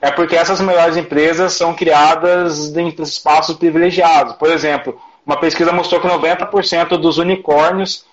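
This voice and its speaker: A man's voice: a little high, fairly even intonation, moderate pace, few pauses. A man with a Brazilian Portuguese accent, speaking passionately in a conversational discussion, restarting his phrases. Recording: dull lo-fi audio.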